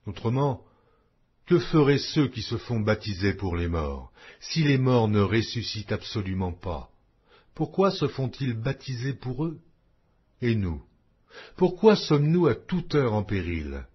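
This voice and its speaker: A man reading scripture aloud in a slow, measured, expressive way, with a husky voice. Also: mid-range voice. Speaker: Bible reader. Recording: dull lo-fi audio.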